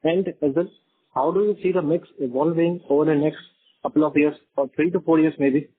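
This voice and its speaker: A man's voice: on the high side, steady tone, brisk, slightly rough, no room sound. A man, asking questions as an investor on an earnings call. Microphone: phone call. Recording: dry, thin phone line.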